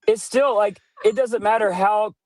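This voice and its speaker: A woman's voice: mid-range voice, a little slow, a little mellow, dry recording. A woman hosting a casual livestream, talking informally and emphatically, often repeating herself. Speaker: livestream host.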